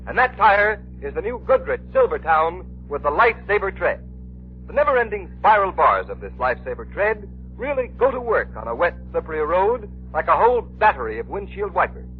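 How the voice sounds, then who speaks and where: Lively high-voiced 1930s radio announcer. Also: male voice, slight background noise. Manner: persuasive, emphatic. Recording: tinny 1930s radio recording.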